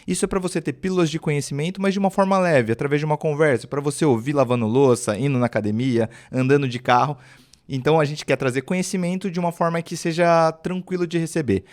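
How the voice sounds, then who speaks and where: A man hosting a podcast, upbeat and conversational, introducing guests and steering the talk. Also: fairly high pitch. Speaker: podcast host.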